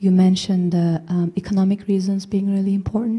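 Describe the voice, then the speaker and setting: The woman's voice carries a dark, mellow tone. It sounds somewhat breathy as well. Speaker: audience member asking question. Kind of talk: audience question at lecture. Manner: hesitant, many fillers.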